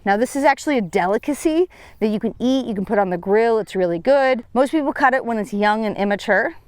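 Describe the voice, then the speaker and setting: Young woman, gardening teacher, chatty and self-deprecating, slightly high voice, dry close sound. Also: lively intonation, fast talker, no echo. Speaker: seed company gardener. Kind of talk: outdoor gardening tutorial. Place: outdoors on a farm.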